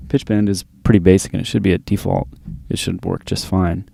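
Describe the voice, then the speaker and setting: Deep, gravelly, laid-back man explaining things. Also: steady tone, warm tone, slight background noise. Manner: loose, informal, halting explanations. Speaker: music production tutorial presenter. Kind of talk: casual unscripted software tutorial. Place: indoors, close dry voice-over of screen recording.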